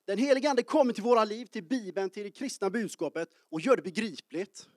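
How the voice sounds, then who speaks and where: A man's voice: sits high, dry recording, clean studio sound. A man in his early forties preaching a sermon to a congregation, joking and calling out to the people in the pews. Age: 40s. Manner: lively, joking, calls out to the congregation. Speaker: pastor. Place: church.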